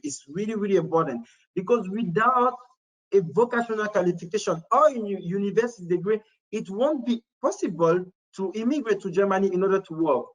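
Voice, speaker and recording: A man with a fairly high voice presents a webinar, clicking through a website as he explains it. He speaks English as a second language and often restarts his sentences and fills gaps with "uh". He sounds like he is talking at a computer indoors. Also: fairly bright tone, rough recording. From Morocco. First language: not English. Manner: halting, many restarts and fillers. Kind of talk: screen-share demo talk.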